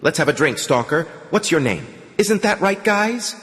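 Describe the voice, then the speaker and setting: A man's voice: a little high, sing-song, moderate pace, fairly bright tone, big-room sound, voice pushed up. A man doing a boozy, chummy fascist. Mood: jovial. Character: drunk male fascist, boastful and chummy.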